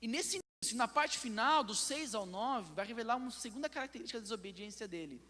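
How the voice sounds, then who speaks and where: High-voiced Brazilian preacher in a church hall. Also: male voice, lively intonation, fast talker, pushed and bright. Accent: Brazilian Portuguese. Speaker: pastor. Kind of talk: sermon. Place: church sanctuary.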